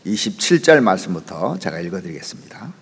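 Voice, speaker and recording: A man's voice: deep voice, big pitch swings, fairly quick, vocal fry, slightly rough. A male pastor preaching a sermon, speaking with sudden rises and drops and frequent asides to his congregation. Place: church sanctuary. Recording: church hall reverb.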